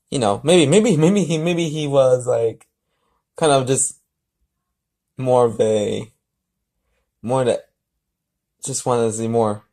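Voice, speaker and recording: A man in a casual, halting vlog style, rambling and restarting as he hosts a fan fiction reading. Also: mid-range voice, a little mellow.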